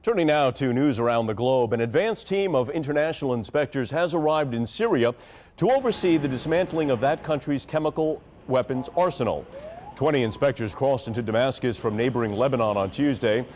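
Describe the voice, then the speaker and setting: A young adult man anchoring an evening newscast from a studio desk, reading scripted stories in a measured, formal way. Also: medium pitch, lively intonation, darkish tone, slight background noise. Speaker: news anchor.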